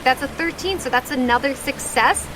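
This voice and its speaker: A woman's voice: high-pitched, moderate pace, background noise. A woman game master narrating a tabletop adventure in casual, descriptive storytelling style, with music behind.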